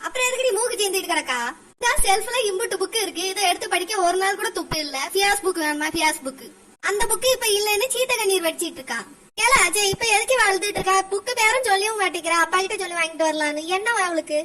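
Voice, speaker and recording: A woman voicing a sharp-tongued, sarcastic village mother in a cartoon. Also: very high voice, fast talker. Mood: scolding. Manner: scolding, sarcastic. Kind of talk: cartoon voice acting.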